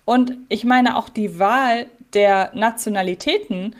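A woman's voice: a little high, a little slow. A woman co-hosting a podcast in casual chat, thoughtful and often restarting her sentences. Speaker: podcast co-host.

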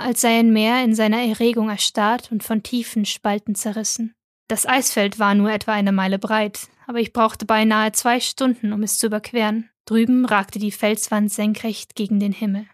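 Female audiobook narrator, measured and expressive, slightly high voice, dry close studio sound. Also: no echo. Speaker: audiobook reader.

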